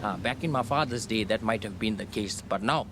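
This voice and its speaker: A man's voice: lowish voice, brisk, background noise, close to an everyday voice. An actor playing a bitter, world-weary older fisherman father, grumbling and swearing in a radio play. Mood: weary, resigned. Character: bitter older Indian fisherman father lecturing his son.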